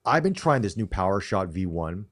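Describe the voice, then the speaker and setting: A man's voice: low-pitched, big pitch swings, moderate pace. A middle-aged American man co-hosting a casual live-stream chat, talking emphatically and often restarting his phrases. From United States. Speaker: co-host.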